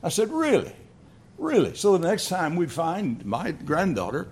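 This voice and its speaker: A man's voice: on the high side, sing-song. An older man preaching a sermon, telling family stories with frequent restarts and chuckles. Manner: storytelling, halting with repeated restarts.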